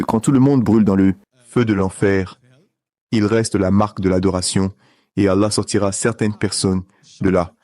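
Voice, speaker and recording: Brief: man, low mellow voice, dry close sound, politely keeps pressing his point. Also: dry recording. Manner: persistent, polite, reads references aloud. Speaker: audience questioner. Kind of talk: public question-and-answer debate.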